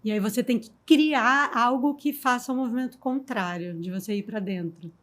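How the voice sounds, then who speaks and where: Woman storyteller guest, slightly higher voice, calm and reflective delivery. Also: normal speed. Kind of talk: reflective conversation.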